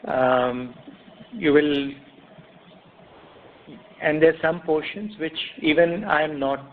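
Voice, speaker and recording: A man with an Indian accent, a company executive answering questions on an earnings call in a deliberate, explanatory way. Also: a little high. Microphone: conference call line. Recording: narrow, tinny conference phone line.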